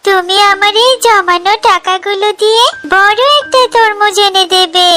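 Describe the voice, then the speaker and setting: A woman's voice: very high voice, steady tone, moderate pace, pushed and bright, a little hiss or hum. A woman voicing an eager, sweet little girl fox in a children's cartoon, childlike and pleading.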